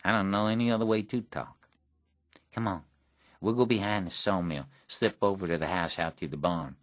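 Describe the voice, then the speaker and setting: A man's voice: low voice, moderate pace, dry recording, lightly acted. A man voicing a neglected, bitter rural teenage boy with a blunt, grim drawl.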